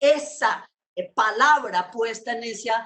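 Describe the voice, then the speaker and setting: A woman's fairly high, animated voice at a fairly slow pace. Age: 60s. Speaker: panelist, feminist policy expert. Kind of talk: webinar panel talk. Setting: online webinar.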